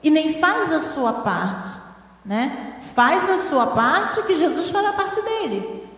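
Woman, spiritual lecture, high voice, didactic, handheld mic, distant, very echoey hall. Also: big pitch swings, slow pace, fairly bright tone. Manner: didactic, rhetorical questions, frequent "né?". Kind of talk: spiritual lecture to a seated audience. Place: large hall with audience. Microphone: handheld microphone.

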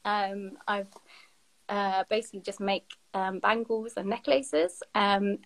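A woman from Sheffield, a jewellery maker guesting on a live stream, talking in a relaxed, friendly way with likes and ums. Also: medium pitch, slow pace, vocal fry, poor audio. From Sheffield, England. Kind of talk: casual interview chat. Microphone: video call on a live stream.

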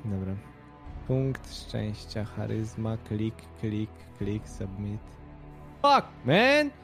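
A man's voice: lowish voice, fairly even intonation, takes it slowly, vocal fry, music in the background. A man playing a tabletop role-playing game, hesitant and chatty, swearing when his dice rolls go wrong. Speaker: player. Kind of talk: casual tabletop game chat.

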